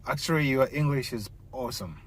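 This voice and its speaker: A man's voice: mid-range voice, animated, a little fast, slightly rough. A man from Tanzania chatting casually and informally as a host, with an exclamatory way of talking. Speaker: host, fellow taxi driver. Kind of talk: casual chat.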